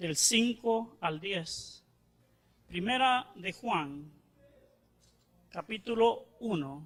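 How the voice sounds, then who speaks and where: A man with a high voice speaks loudly and with lively intonation, leaving long, frequent pauses over noticeable background noise. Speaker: preacher. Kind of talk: sermon. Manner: trying to speak loudly. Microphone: too quiet.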